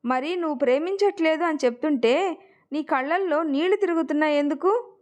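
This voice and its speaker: Caring bestie pressing gently with questions, high voice, done by the woman narrator. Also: brisk, natural voice. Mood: probing. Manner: probing, coaxing questions. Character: caring young woman, best friend.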